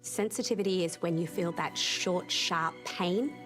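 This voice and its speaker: A woman with a slightly low voice narrates a commercial. She reads scripted product copy, with music clearly playing behind her. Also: unhurried. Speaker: advert voice-over.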